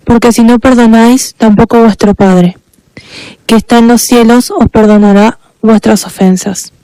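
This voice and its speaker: A woman reading Bible verses aloud in a measured way during a sermon. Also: a little high, fairly even intonation, warm tone, dry recording, poor audio. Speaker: scripture reader.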